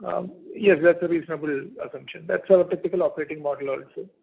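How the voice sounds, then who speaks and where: A man answering analysts' questions as a company executive on an earnings call, in a halting, measured, deliberate way. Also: on the high side, gravelly, breathy edge. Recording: muffled, lo-fi conference call audio.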